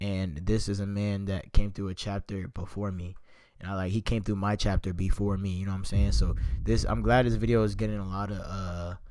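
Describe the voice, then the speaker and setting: A man with fairly low pitch at a fairly quick pace, on a very clean recording with a silent background. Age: 20s. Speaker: livestreamer. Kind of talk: casual livestream commentary. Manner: loud.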